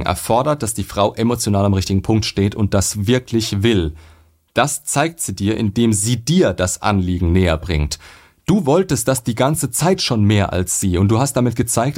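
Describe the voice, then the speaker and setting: Brief: male podcast host, lowish voice, blunt and lecturing, reads a letter and comments. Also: animated, moderate pace, darkish tone. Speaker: dating coach reading and commenting on a viewer's letter.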